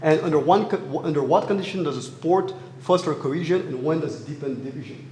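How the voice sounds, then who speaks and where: A man's voice: a little high, fairly quick, dark tone, a little hiss or hum. A young man from France with a French accent, giving an academic thesis presentation in an earnest way with frequent fillers and restarts. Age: young adult. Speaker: student presenter. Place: echoey university hall. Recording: roomy hall reverb, faint ambience.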